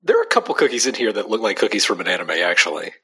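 A man's voice: lowish voice, very animated, rapid-fire, a bit bright, slightly rough. A young adult man co-hosting a casual podcast chat, talking loosely with lots of fillers and easy laughs. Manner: chatty, laughs easily, frequent "like" fillers. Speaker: podcast co-host.

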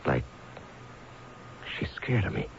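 An actor playing a gruff, insistent ex-convict husband in an old-time radio drama, speaking colloquially and pushing with questions. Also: male voice, takes it slowly, lightly acted. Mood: suspicious, demanding. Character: gruff, insistent husband just pardoned from prison. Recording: dull, noisy old radio broadcast.

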